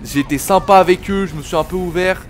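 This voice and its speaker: This let's play host has a high voice and talks fast, with faint music and a faint crowd behind him. Angry and full of swearing and slang, he comments on his game and calls his viewers "les gars".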